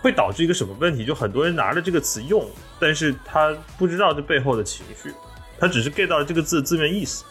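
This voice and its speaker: A man's voice: on the high side, lively intonation, quick pace, fairly bright tone, faint music behind. A man talking casually on a podcast in a blunt, joking manner. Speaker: podcast host. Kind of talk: casual chat.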